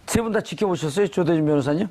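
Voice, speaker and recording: A man's voice: a little high, racing, warm tone. A man hosting a live panel talk, bantering with his guests and teasing them with provocative, joking questions. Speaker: talk show host.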